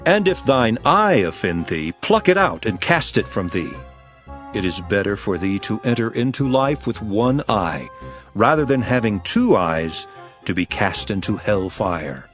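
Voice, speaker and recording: A man playing Jesus as a solemn, authoritative teacher in a dramatized Bible reading, speaking in an emphatic, measured way. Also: lowish voice, sing-song, faint music behind. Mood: solemn teaching.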